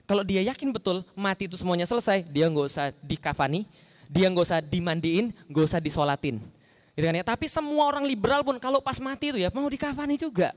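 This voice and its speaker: A man preaching an Islamic sermon in a conversational way, asking the audience rhetorical questions and acting out the lines he quotes. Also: fast. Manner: acts out quoted lines with sharp rises in pitch and volume. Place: large hall. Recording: long hall reverb.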